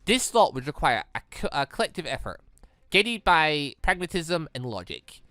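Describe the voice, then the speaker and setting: A man voicing a cold, logical female android from a visual novel game with formal, clipped, deliberate delivery. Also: on the high side, big pitch swings, pushed and bright, no room sound, studio quality. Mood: cold, pragmatic.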